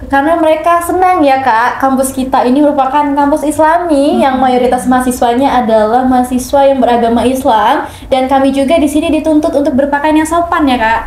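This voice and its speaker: High-voiced young woman hosting. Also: a little fast, few pauses, darkish tone. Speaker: host. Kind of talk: interview hosting. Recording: echoey room with background noise.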